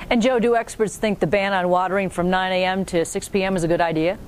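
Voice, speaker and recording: A woman's voice: steady tone, fast. An American woman anchoring a local newscast in a polished, formal, scripted newsreader delivery. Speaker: TV news anchor. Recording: clear background noise with low rumble.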